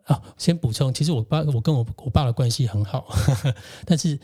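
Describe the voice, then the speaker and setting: A man, a podcast guest and co-host gently telling a personal story in casual conversation. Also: medium pitch, fairly quick, husky. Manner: reflective, gentle, recounts childhood memories.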